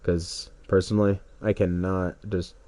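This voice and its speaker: A man's voice: deep voice, level tone, measured pace, warm tone. A young man streaming a game, congested, rambling hesitantly with many restarts while he waits for a match. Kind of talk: rambling solo stream chat.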